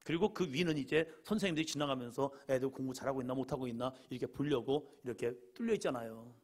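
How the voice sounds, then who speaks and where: This fast-talking pastor, with a mid-range voice, preaches a Friday evening sermon, telling stories and performing the lines he quotes. At times he shouts; at others he slips into a hushed aside.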